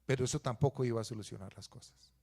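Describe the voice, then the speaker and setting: A man preaching a sermon, swinging from loud emphatic peaks to quiet, low asides. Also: fast talker. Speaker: pastor.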